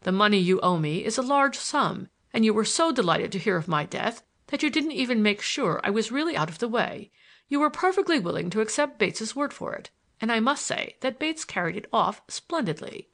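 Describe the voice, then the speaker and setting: A woman's voice: a little high, very animated, brisk, fairly bright tone. A woman voicing a genial, sly old grandfather in an audiobook, teasing and grandly courteous. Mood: amused, pointed. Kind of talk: audiobook character dialogue.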